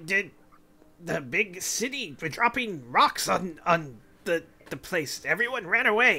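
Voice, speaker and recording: A man's put-on character voice, high in pitch and at a fairly slow pace. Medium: actual play. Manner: stammering, cowering.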